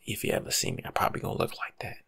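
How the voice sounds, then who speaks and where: A young American man giving rambling, slangy ASMR life advice in a hushed, breathy voice, playful and animated, close to the mic in a room at home. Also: rapid-fire. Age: young adult. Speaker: ASMR video creator. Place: small indoor room at home.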